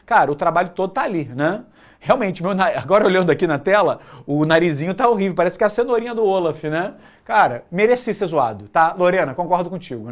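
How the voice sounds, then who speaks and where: Brazilian male teacher, jokey and slangy, voice rising and falling a lot. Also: sits high. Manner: slangy, joking, lively lecturing. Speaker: biology teacher. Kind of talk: live online exam-prep class.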